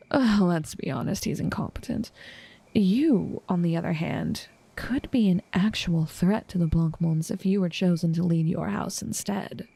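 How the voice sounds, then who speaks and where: A woman playing an infatuated assassin in an intimate audio roleplay, composed and menacing yet tender, speaking softly and often slipping into whispers. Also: mid-range voice, gravelly, no room sound. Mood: calm, confiding. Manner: soft, unhurried delivery slipping often into whispers.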